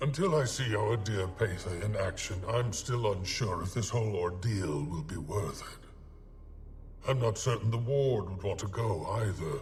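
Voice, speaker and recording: A man puts on a character voice at a fairly low pitch. He goes at a fairly slow pace against clear background noise. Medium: video game. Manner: measured, dry.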